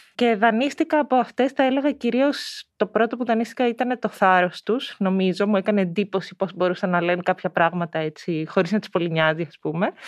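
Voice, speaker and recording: Over a quiet background, a woman at medium pitch talks at a moderate pace with hardly any pauses, lively intonation and big swings in loudness, in a dry, close sound with no echo. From Germany, then Karditsa, Greece. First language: bilingual Greek and German (speaking Greek). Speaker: poet. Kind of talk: interview.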